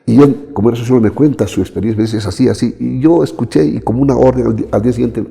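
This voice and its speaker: A middle-aged Bolivian man, a guest in an interview, telling his life story in an animated way and acting out the people he quotes. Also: medium pitch, very fast, gravelly. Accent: Bolivian Spanish. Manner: animated, acts out quoted voices. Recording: long reverb.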